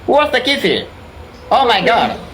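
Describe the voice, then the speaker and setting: A man from Nepal on a live video chat, talking in broken, repetitive English and getting excited. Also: very high voice, measured pace, a little hiss or hum, poor audio. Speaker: livestream guest.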